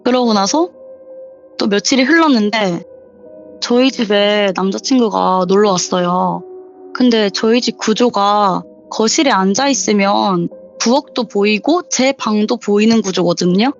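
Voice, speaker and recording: A woman's voice: medium pitch, unhurried, muffled recording, soft background music. A young woman in her twenties calling in to tell a true scary story in a chatty, casual way, acting out what people said. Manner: chatty, acts out quoted dialogue. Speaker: viewer telling her story as a caller. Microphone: voice call.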